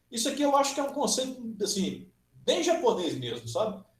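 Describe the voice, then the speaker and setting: Very wide swings in pitch from a male speaker, plus audible echo in the room. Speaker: teacher. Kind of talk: lecture. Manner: halting.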